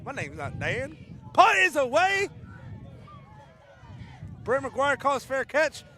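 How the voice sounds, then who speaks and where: A man calling a football game live from an outdoor stadium, joking with his partner and shouting on big plays. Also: very high voice, huge pitch swings, slow pace, a little hiss or hum. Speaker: play-by-play announcer. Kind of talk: live high school football commentary. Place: outdoor stadium in wind and rain.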